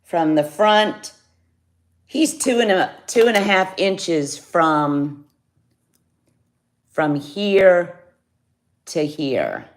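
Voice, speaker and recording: A woman's voice: lowish voice, big pitch swings, very slow, pauses often. A woman chatting casually on a jewelry livestream, greeting viewers by name. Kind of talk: casual live sales chat. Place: home studio, indoors.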